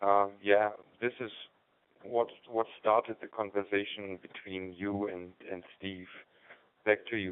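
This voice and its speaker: Long, frequent pauses break up a man's fairly slow, monotone delivery with flat intonation. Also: fairly low pitch for a man, big swings in loudness. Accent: German. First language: German. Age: 60s. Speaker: amateur radio operator. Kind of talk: ham radio roundtable chat. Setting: radio transmission. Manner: halting.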